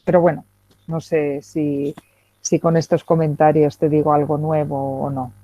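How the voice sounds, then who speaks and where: A woman's voice: low voice, little pitch movement, unhurried, dark tone. A middle-aged woman giving an academic lecture, talking hesitantly with many fillers and checking questions. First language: Spanish. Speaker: guest lecturer. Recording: dull lo-fi video call audio.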